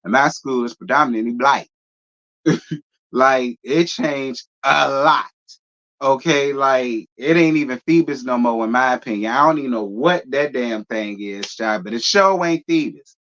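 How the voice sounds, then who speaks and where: With a medium-pitched, fairly bright voice and an unhurried pace, a stream host in his thirties reads comments from chat and responds in a sassy drawl, laughing often. The sound is lo-fi.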